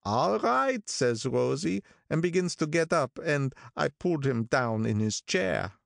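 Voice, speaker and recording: A man voicing a gloomy, sentimental older gangster who talks in a slow, brooding, drawn-out way. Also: on the high side, sing-song, gravelly, no room sound, studio quality, pitched above the performer's own voice, full character voice.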